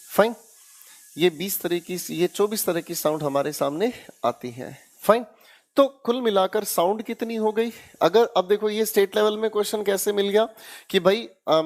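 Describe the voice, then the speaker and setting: Indian man, grammar teacher, high voice, coaxing, keeps checking students follow. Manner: coaxing, keeps checking students with "haan ya na?" and "theek hai beta?". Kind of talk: online exam-prep lecture.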